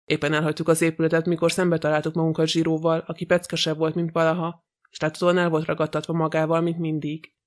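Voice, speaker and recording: A man narrating an audiobook in a steady, monotone reading. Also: a little high. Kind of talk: scripted narration.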